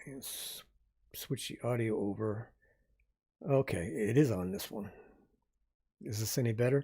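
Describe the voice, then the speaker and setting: A man speaks quietly at a fairly slow pace, with long, frequent pauses. His voice is dark, mellow and somewhat breathy, medium in pitch with ordinary pitch variation. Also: big swings in loudness. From New Hampshire. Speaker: livestreamer. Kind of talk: casual live stream chat.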